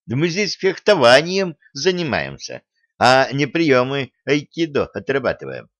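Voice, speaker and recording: A man voicing a gruff, angry middle-aged fencing coach who scolds and shouts. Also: mid-range voice, huge pitch swings, measured pace, dry recording, highs cut off, pitched above the performer's own voice. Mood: angry scolding.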